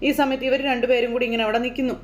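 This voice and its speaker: A woman in casual style quickly retelling a TV serial episode, slipping into the characters' lines as she goes. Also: a little high. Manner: lively storyteller voicing characters' lines in passing. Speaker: serial recap narrator. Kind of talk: fast casual plot retelling.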